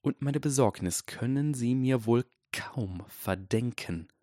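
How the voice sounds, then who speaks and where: A man reading the part of a cold, silky-voiced, white-haired aristocratic older man who speaks in a measured, menacing way. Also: medium pitch, dark tone, dry recording, clean studio sound, pitched above the performer's own voice, close to an everyday voice. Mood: icy.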